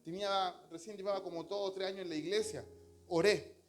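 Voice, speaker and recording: A man's voice: high-pitched, fairly even intonation, a little fast. A man with a Chilean accent preaching a sermon as pastor, earnest and storytelling, often calling listeners brother. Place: church.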